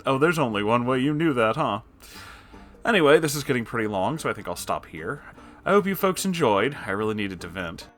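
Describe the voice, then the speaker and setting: A man reading a story aloud as host and reacting to it, with an expressive, exasperated and sarcastic manner. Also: mid-range voice, brisk, faint music behind. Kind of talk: story narration with reaction commentary.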